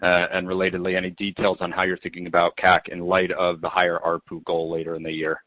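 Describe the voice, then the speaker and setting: A man's voice: low-pitched, monotone, quick pace, sharp tone. A man asking follow-up questions as a financial analyst on an earnings call. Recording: echoey, slightly dull phone line.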